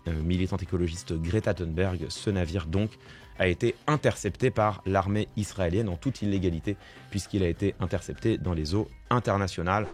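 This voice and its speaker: A political commentator with a low-pitched, darkish voice comments live on the news. He reads reports aloud, then follows them with indignant remarks laden with fillers.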